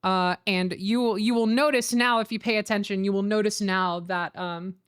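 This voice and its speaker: A woman's voice: medium pitch, steady tone, normal speed, clear, resonant tone. A woman streamer chatting casually and informally to viewers, often thinking aloud, on a close mic. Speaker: streamer and host. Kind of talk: casual livestream chat.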